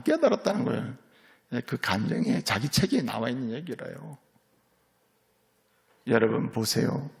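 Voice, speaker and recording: A middle-aged man, a senior pastor, preaching a sermon as a lively storyteller who keeps checking in with his congregation. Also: mid-range voice, gravelly. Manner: lively storytelling preacher, voices characters in quotes, asks "예?" of the congregation.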